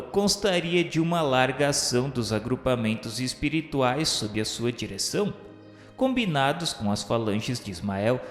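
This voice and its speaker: A man narrating a scripted radio drama in a solemn, literary manner. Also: mid-range voice. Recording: echoey reverberant production, music bed. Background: music.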